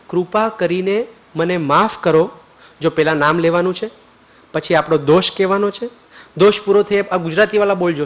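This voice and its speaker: A man leading a retreat group through a forgiveness ritual, mixing English phrases into his talk, checking again and again that everyone is clear, and going soft and low when he leads prayer. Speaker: spiritual teacher leading a retreat.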